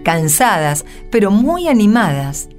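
A woman's voice: medium pitch, big pitch swings, unhurried, darkish tone. A woman with an Argentine accent reading scripted narration as the narrator of a radio drama. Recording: background music under the voice. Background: music.

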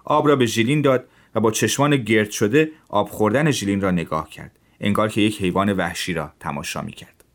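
A man reading a translated classic story aloud as a calm narrator for teenagers. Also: on the low side.

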